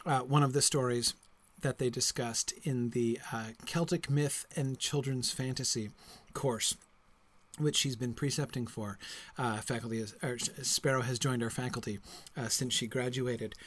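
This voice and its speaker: A man's voice: medium pitch, steady tone, moderate pace, a bit bright. A man in a mid-range voice hosts a reading event. He speaks casually and rambles, full of ums and uhs. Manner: rambling, many fillers. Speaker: event host. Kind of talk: casual remarks between readings.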